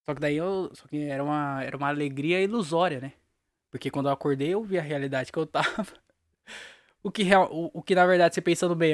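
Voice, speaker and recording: A man's voice: high voice, dry recording, clean studio sound. Young man rambling about a dream. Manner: rambling, slangy, laughs at himself. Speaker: podcast host. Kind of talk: casual solo podcast storytelling.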